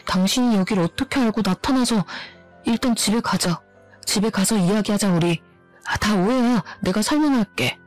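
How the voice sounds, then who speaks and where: A woman's voice: mid-range voice, moderate pace, faint music behind, lightly acted. Woman reading as a flustered cheating husband. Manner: flustered, placating. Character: flustered cheating husband, middle-aged man.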